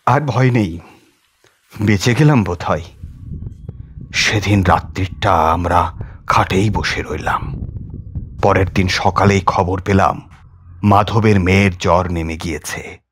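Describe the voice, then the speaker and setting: A man's voice: low voice, fairly bright tone, husky. A man narrating a horror audiobook in a theatrical, suspenseful manner. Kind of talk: dramatic scripted horror story narration. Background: music.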